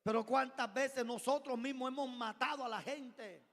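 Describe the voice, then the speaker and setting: A man preaches fervently, shifting from quiet storytelling to shouted appeals to the congregation. His voice is very high and bright, and cutting. A long church reverb trails his words. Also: moderate pace. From Colombia. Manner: storytelling sermon, rising to shouted exhortation. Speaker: pastor. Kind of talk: sermon. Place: church hall.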